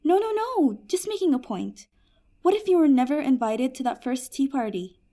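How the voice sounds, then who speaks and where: A woman's voice: high-pitched, animated, moderate pace, warm tone. A woman playing a kind, earnest, persuasive djinnia in a fantasy comedy audio drama. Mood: earnest pleading. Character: Peri, kind, earnest young djinnia of smokeless fire.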